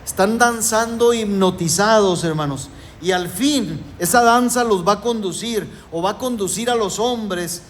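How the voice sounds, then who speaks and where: A man's voice: sits high, a little slow, few pauses, slight background noise. A man preaching an emphatic sermon to his congregation, often calling them brothers. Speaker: pastor.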